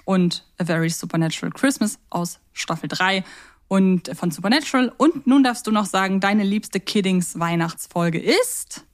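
A woman's voice: mid-range voice, lively intonation, moderate pace. A woman co-hosting a podcast in casual, unscripted and rambling chat. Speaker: podcast co-host.

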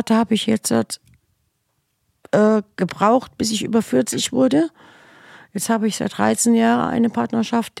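A woman in her fifties, from Germany, speaks slowly about her own life and pokes fun at herself. Her voice is dark and deeply gravelly, recorded dry and close. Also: no room sound. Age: 50s. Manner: self-mocking, laughs at herself. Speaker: interview guest. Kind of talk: casual personal account.

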